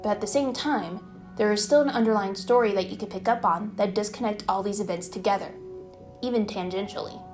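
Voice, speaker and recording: A woman's voice: medium pitch, brisk, darkish tone. Woman narrating a video essay over prominent music. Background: background music.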